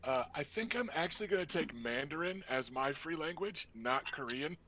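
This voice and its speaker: A talkative man jokes and explains his character choices at length. His voice is bright and sits slightly high. He speaks with the easy looseness of a long-running game group. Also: lively intonation, moderate pace, slight background noise. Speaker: player. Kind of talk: casual chat, building a character.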